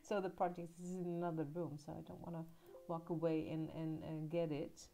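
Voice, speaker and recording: A woman giving a relaxed, rambling voiceover about her art journal page, pausing often and filling gaps with little hesitations. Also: low-pitched, slight background noise. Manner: relaxed, rambling, with many pauses and fillers. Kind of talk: casual voiceover narrating her crafting. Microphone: voiceover recorded at her laptop.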